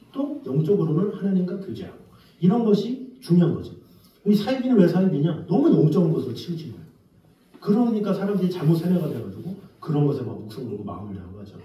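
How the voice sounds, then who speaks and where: A male pastor preaches in a lively, chatty way, his fairly high, mellow voice rising and falling widely. He sounds far from the microphone. His voice rings through a very echoey church hall. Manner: lively, conversational preaching, acts out quoted voices. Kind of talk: sermon. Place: church sanctuary.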